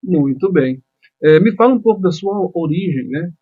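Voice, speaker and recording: A man's voice: high voice, animated, moderate pace, slightly rough, narrow, tinny audio. A man hosting a podcast, upbeat, polite and welcoming toward his guest. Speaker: podcast host.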